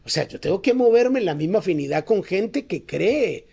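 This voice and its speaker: A man's voice: high voice, lively intonation, normal speed, gravelly, mellow, breathy edge. A man preaching a sermon as pastor, passionate, repeating questions and acting out quoted voices.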